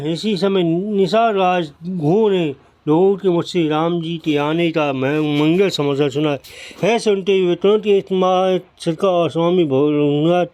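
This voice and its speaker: A man's voice: on the high side, a little mellow. A man reading a devotional scripture aloud as a narrator, with frequent restarts and repeated words.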